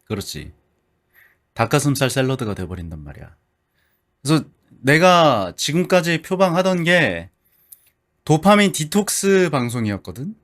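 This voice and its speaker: Man livestreamer with very animated intonation. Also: a little high, unhurried, pauses often. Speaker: livestreamer, VTuber. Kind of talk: casual livestream chat with viewers.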